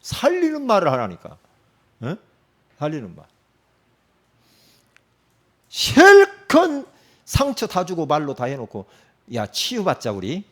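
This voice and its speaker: A man preaches to his congregation in a casual, teasing way, often checking in with quick prompts. His voice sits a little high and swings widely in pitch as he acts out the lines he quotes. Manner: animated, acts out quoted speech, frequent "응?" prompts. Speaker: pastor. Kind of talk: sermon.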